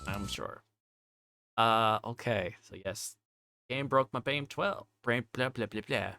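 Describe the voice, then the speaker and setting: Man, casual livestream chat, flustered and rambling, self-interrupting, clear background music. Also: mid-range voice, slow pace. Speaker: livestreamer playing a visual novel. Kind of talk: casual livestream chat and story read-aloud. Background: game music.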